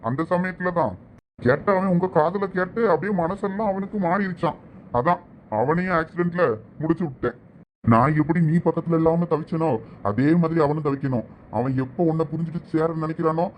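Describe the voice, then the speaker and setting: A man's voice: fairly high pitch, dull audio, a little hiss or hum, lightly acted. A man playing an obsessive, menacing kidnapper villain who gloats and threatens in a village drama.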